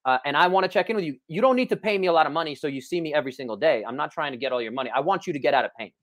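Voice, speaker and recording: A man's voice: on the high side, very fast. A man, a personal trainer, chatting energetically on an online call, with many restarts. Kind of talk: casual podcast chat.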